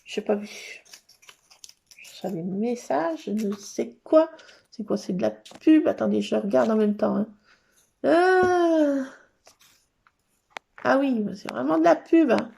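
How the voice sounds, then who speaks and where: A woman hosting a casual craft session, chatting to her viewers and thinking aloud as she works, with sudden bursts of excitement. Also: on the high side, slow, vocal fry, long pauses. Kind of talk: casual craft tutorial chat.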